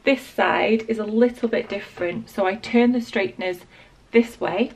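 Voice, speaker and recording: Croaky Northern English woman, gravelly. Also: mid-range voice, moderate pace, far from the mic, poor audio. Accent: Northern English, Lancashire. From England. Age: late 20s. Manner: relaxed, rambling, lots of ums and likes. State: sore throat, croaky. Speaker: beauty vlogger. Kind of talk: casual hair tutorial. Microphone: small external mic.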